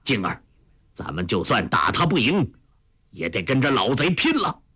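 A man voicing a fierce, stubborn older male fighter in a storybook, gruff and defiant. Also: medium pitch, big pitch swings, normal speed, sharp tone, heavily acted.

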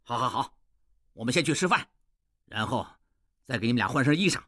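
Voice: mid-range voice, animated, brisk, pushed and bright, dry recording, studio quality. An actor voicing a curt, disdainful official. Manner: disdainful, terse. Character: aloof male official, curt.

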